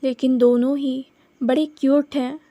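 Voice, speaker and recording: A woman's voice: high voice, level tone, a little slow, mellow, dry recording. A woman voicing a playful, charming young man who teases his friends. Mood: teasing.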